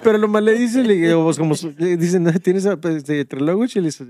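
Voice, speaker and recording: A man's voice: high voice, moderate pace, dark tone, no echo, studio quality. A man with a Mexican accent, co-hosting a podcast and telling jokes in loose, slangy banter. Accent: Mexican Spanish. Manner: slangy, laughing storyteller who acts out quoted dialogue. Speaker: podcast co-host. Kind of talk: casual banter and joke telling.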